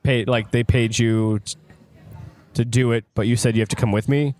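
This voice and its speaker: A man's voice: mid-range voice, fairly even intonation, normal speed, a little mellow. Slangy American man hosting a casual chat. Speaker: podcast host. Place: restaurant.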